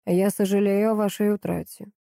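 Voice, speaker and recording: A woman voicing a sinister wolf-faced man in black, a shadow who speaks in a husky, cold and curt way. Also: medium pitch, flat delivery, normal speed, warm tone, dry recording, studio quality, close to an everyday voice.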